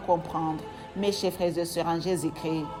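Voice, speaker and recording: With a Rwandan accent, a woman talks at a moderate pace over background music, with audible room echo. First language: Kinyarwanda (speaking French). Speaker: lay preacher. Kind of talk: sermon.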